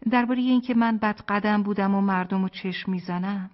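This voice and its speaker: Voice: mid-range voice, muffled recording, voice pushed up, lightly acted. An audiobook narrator voicing an anxious young newlywed wife who presses her husband with pleading, insistent questions. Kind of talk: audiobook character reading.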